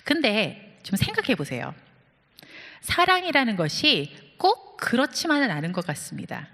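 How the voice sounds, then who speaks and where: Female pastor preaching in a church hall with long reverb; lively pitch, questions the congregation. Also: moderate pace. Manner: storytelling, asks the congregation questions. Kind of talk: sermon.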